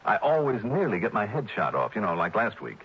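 A man's voice: lowish voice, huge pitch swings, fairly quick, fairly bright tone, breathy edge, full character voice. An actor playing a breezy, joking insurance investigator in a 1960s radio drama, also narrating his expense report. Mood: wry. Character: wisecracking male insurance investigator. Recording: dull vintage radio broadcast with faint hiss.

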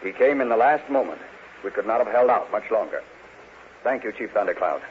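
An actor playing an earnest, grateful frontier settler who speaks in formal terms, heard through a tinny old radio broadcast. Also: male voice, on the low side, expressive, a little fast, a little hiss or hum, close to an everyday voice.

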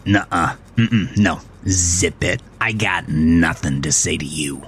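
A man's voice: deep voice, slow, fairly bright tone, slightly rough, exaggerated voice. A man performs a gaunt, crude imaginary friend for an audio drama. He is scornful and exasperated, hissing and snarling his needling jibes.

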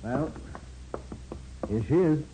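Casting: bullheaded cop, tough street talk, higher male voice, 1940s radio thriller. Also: expressive, slow, mellow. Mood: blunt, certain. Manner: blunt, slangy, tough working-class talk. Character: gruff, bullheaded police sergeant, plain-spoken and stubborn. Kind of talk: 1940s radio crime drama acting. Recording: noisy old 1940s radio broadcast.

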